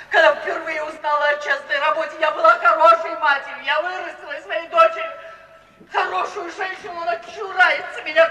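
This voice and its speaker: A woman's voice: sits high, pushed and bright. An actress playing a bitter, self-pitying, vengeful middle-aged mother in a melodramatic 1950s radio play style. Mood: anguished, vengeful. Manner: melodramatic, wailing, declamatory. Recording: roomy, distant 1950s radio recording, faint hiss.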